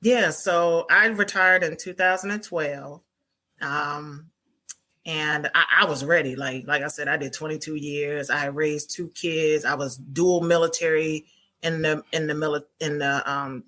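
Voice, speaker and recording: A woman's voice: sits low, fairly even intonation, measured pace, sharp tone. A woman in her forties, a retired Army veteran, telling her story in an interview with many fillers and restarts. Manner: reflective storytelling with frequent fillers and laughs. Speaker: podcast guest, Army combat veteran and author. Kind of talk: conversational interview.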